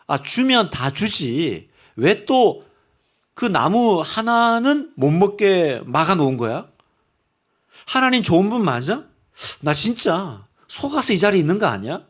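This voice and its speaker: A man's voice: sits high, very animated, unhurried, exaggerated voice. A man voicing a doubting woman's inner thoughts, puzzled and questioning herself. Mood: confused.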